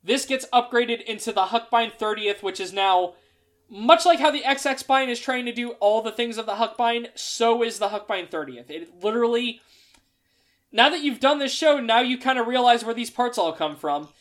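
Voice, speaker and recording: A woman's voice: a little high, expressive, moderate pace. Rambling exasperated woman co-host. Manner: rambling, exasperated, lots of fillers. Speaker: podcast co-host. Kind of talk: casual chat about mecha designs.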